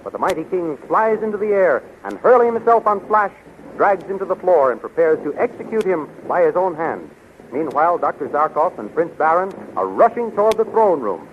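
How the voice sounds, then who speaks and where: A man's voice: fairly high pitch, sing-song, brisk. A man announcing and narrating in dramatic, declamatory 1930s radio style. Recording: tinny, hissy 1930s radio recording.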